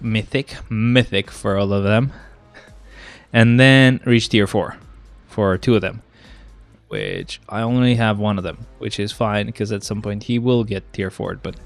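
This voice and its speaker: A man's voice: fairly low pitch, smooth, no room sound. A young man with a stuffy nose from a cold, chatting casually to his live-stream viewers and getting exasperated with the game. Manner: chatty, easily exasperated, talks to chat.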